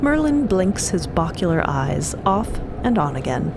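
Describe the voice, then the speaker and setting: A woman's voice: big pitch swings, unhurried. A woman narrating a scripted audio drama. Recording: loud vehicle-like rumble behind voice.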